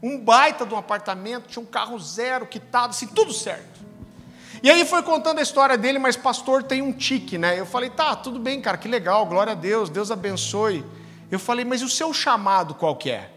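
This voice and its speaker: A man's voice: very high-pitched, expressive, a little fast, a bit bright. A man, a pastor telling a story in a sermon and acting out the dialogue with animation. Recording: long hall reverb with faint music.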